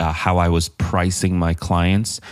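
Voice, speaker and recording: The man speaks at a fairly slow pace. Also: very clean recording, silent background. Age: 20s. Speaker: podcast host. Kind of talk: solo reflective monologue. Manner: unscripted, with fillers.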